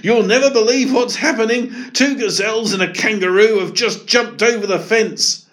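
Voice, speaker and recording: A man voicing an excited zookeeper bursting in with news. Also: sits high, moderate pace, voice pushed up.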